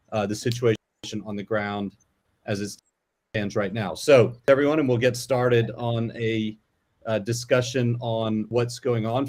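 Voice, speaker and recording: A man's voice: medium pitch, darkish tone. A man hosting and moderating a live panel discussion, introducing guests and asking questions. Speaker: host.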